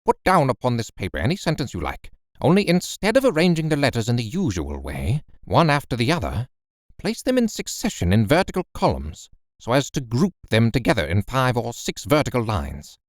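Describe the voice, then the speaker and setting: A man voicing a stern, excitable old male professor, brusque and commanding in an audiobook reading. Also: medium pitch, brisk, no echo, studio quality.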